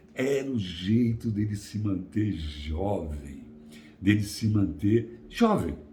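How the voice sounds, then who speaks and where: Amid audible room echo, a man speaks in an animated tone with fairly low pitch and very wide pitch swings. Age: 60s. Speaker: psychiatrist. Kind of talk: motivational talk.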